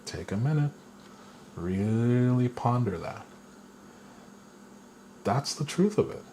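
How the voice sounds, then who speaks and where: A man giving a guided spiritual lesson, talking slowly and deliberately and chuckling now and then. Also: mid-range voice, lively intonation, dark tone, a little hiss or hum. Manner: slow, deliberate, with playful chuckles. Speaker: spiritual teacher.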